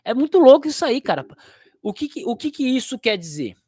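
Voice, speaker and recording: This young Brazilian man teaches theology and is chatting casually on his livestream, rambling in a slangy way and laughing easily. His voice is very high, a little fast and warm, with big pitch swings, recorded with clean studio sound and no echo.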